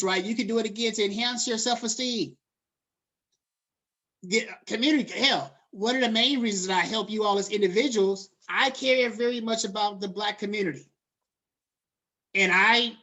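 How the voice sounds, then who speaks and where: A middle-aged college lecturer with a high-sitting voice addresses his class directly in a relaxed, conversational style. He mixes textbook terminology with casual slang as he goes.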